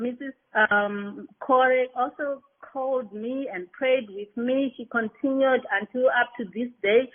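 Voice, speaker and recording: A woman with a Zimbabwean accent giving an earnest, halting, spontaneous personal testimony to a meeting. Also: mid-range voice. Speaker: party member giving a testimony. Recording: tinny, band-limited online call audio.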